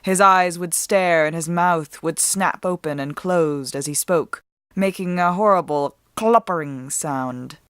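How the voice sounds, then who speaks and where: A woman giving a dramatic, measured storybook narration, reading as an author with deliberate expression. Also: fairly low pitch, fairly bright tone, no echo, studio quality.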